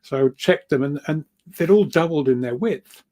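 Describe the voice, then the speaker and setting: Man explaining earnestly with halting repetitions. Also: a little high, dark tone, a little hiss or hum. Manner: halting, repeats words and restarts often. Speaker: guest speaker and researcher. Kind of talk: interview answer, explaining at length.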